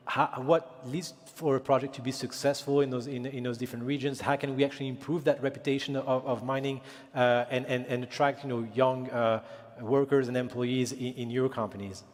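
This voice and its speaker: A man moderating a panel, asking a question haltingly with many repeated words. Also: medium pitch, a little mellow. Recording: long reverb of a conference hall.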